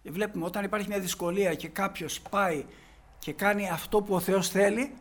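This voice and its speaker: A man's voice: high-pitched, steady tone. A man preaching a sermon, retelling a gospel passage and explaining it with rhetorical questions.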